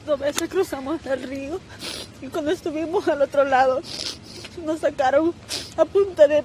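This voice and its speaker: High-voiced tearful woman giving testimony. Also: normal speed, mellow. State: tearful, voice breaking with crying. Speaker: migrant mother being interviewed. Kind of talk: emotional personal testimony. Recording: clearly noisy, traffic rumble.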